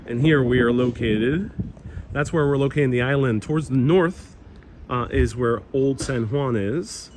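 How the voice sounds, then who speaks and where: A man from Puerto Rico raised in New York, with a Queens Hispanic accent and Spanish as his first language, hosting a relaxed live walking tour and chatting with viewers. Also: medium pitch, a little slow. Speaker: walking tour livestream host. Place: outdoors on a town street with passing traffic. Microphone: phone-mounted mic while walking. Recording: noisy outdoor street recording.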